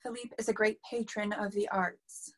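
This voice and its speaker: A woman's voice: mid-range voice, fairly even intonation, moderate pace, slightly rough, lightly acted. A young woman playing a flustered, theatrical opera performer in a staged reading. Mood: defensive. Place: plain room, video call.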